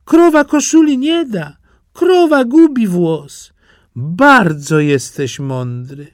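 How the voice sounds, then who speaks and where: A doting old farm wife from a storybook gushes in a high, lilting voice that swings widely, as a male narrator puts her on. Her words come out slow and fond, and the voice is close and dry. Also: expressive, no room sound. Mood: gushing delight. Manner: gushing, delighted.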